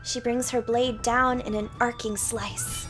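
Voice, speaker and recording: High-voiced woman gaming host. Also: little pitch movement, measured pace, a bit bright, soft background music. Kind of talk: let's play introduction and story narration.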